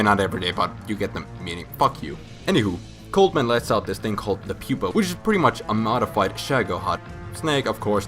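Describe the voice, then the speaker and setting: A low-voiced man narrates like a drunk friend retelling a story, loose and rambling. He is crude and sarcastic, swears freely, and has music playing faintly behind him. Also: a bit bright. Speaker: host of a comic video game storyline recap. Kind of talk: casual comedic narration, profane and rambling.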